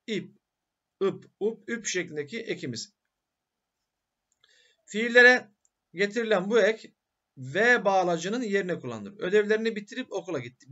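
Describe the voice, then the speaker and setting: A man's voice: high-pitched, fairly bright tone, highs cut off. A male teacher giving a grammar lecture who asks questions and answers them himself.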